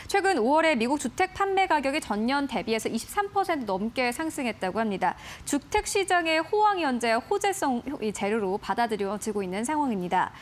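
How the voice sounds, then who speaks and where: Woman caster running through stock picks, high voice that bounces around a lot. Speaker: news caster. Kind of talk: stock news briefing.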